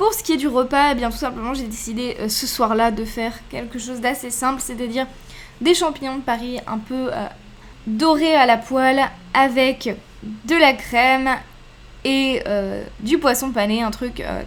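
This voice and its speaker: Pausing long and often, a woman speaks at a fairly slow pace in a high pitch with ordinary pitch variation. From Lyon, France. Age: 20s. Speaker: beauty vlogger. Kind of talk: casual talk to camera. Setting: voice-over recorded separately. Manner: relaxed, conversational.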